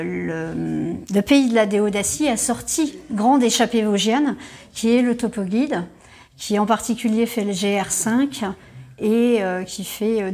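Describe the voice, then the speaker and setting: Casting: woman, medium pitch, tourist office staffer interviewed, unscripted, halting phrasing. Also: a little mellow. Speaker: tourist office sales manager being interviewed. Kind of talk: unscripted interview, presenting colleagues and local products.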